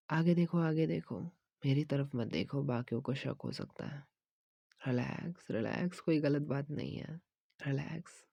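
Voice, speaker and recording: Whispered role-play: man as a teasing young gym trainer, husky and slow, soft coaxing delivery. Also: dry recording, highs cut off, heavily acted. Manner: soft, coaxing, teasing with frequent low laughs; mixes Hindi and English phrases. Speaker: ASMR creator.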